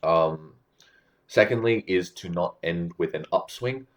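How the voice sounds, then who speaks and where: A man coaching viewers on how to speak, in a relaxed, explanatory way that keeps checking in with the listener. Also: sits low, unhurried. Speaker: communication coach. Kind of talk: casual advice talk to camera.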